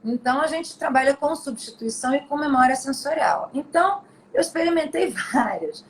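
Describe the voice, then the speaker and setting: A middle-aged actress chatting as an interview guest, telling her stories in an animated, expressive way. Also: high voice, moderate pace, a little hiss or hum, rough recording. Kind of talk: casual storytelling interview.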